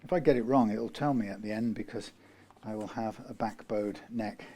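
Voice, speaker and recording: Man from the UK, low voice, rambling workshop tutor with dry humour, faint background ambience. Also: normal speed, mellow, a little hiss or hum. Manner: rambling, self-correcting, dry asides. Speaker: guitar repair tutor. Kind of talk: workshop how-to narration.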